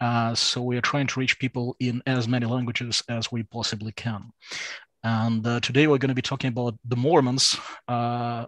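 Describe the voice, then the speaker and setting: Flat, monotone delivery at a moderate pace, in a Russian accent. The sound is dry and close with no echo, and the background is quiet. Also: man. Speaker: apologetics researcher. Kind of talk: lecture. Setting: live stream. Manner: halting, many fillers.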